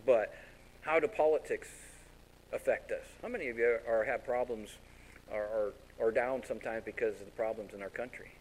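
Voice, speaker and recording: A man's voice: mid-range voice, moderate pace, a little hiss or hum, poor audio. A man preaching a sermon as pastor in a folksy, storytelling way. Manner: folksy, animated storytelling with acted-out voices.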